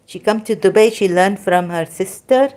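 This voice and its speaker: A woman with a Pakistani accent and Sindhi as her first language, giving an informal religious talk in halting, broken English with many restarts, tired and soft-spoken as she goes on. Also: mid-range voice. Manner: tired, winded and soft-spoken in later part. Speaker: religious commentator.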